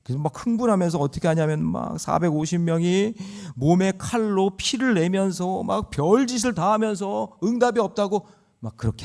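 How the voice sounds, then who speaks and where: A man's voice: fairly high pitch, vocal fry, a little mellow. A man preaching a sermon in church, acting out scenes and exhorting the congregation. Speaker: pastor. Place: church sanctuary.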